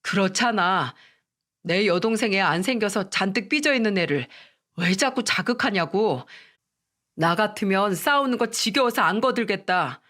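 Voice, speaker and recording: A woman's voice: mid-range voice, animated, moderate pace, a bit bright, close to an everyday voice. Irritable husband, dismissive and impatient, read by the woman narrator. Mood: irritated.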